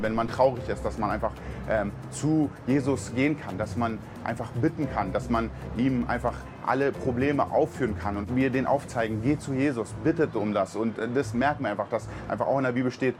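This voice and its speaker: A man from Berlin, a truck driver on a mission team, gives an earnest, heartfelt personal testimony with many fillers. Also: medium pitch. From Berlin, Germany. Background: music.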